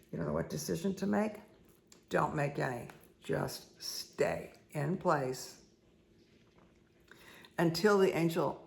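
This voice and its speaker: Hoarse, croaky woman giving a card reading. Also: sits low, a little mellow. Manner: slow, soothing, repetitive guidance with asides. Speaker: spiritual reader and meditation guide. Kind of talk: casual spoken card reading.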